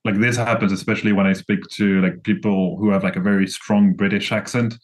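French-accented man, low voice, rambling. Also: steady tone, a little fast. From France. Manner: rambling, many restarts and "like" fillers. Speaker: guest. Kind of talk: casual conversation.

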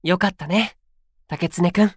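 A sweet, earnest young male idol in a Japanese voice drama. He speaks softly and politely in a light, boyish voice, recorded dry and close. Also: sits high, unhurried, no room sound. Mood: gently teasing. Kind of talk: Japanese anime-style voice drama acting.

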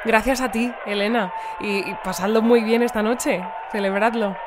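A woman's voice: fairly high pitch, fairly even intonation, normal speed, over loud music, natural voice. A woman playing a chatty, polite news presenter in an audio drama.

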